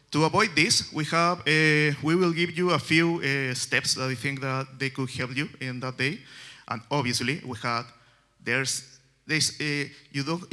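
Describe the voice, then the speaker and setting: Chilean man presenting at a developer conference, very bright tone, halting English. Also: on the high side. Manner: halting, many fillers and restarts, non-native phrasing. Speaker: conference speaker. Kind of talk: technical conference talk. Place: conference stage.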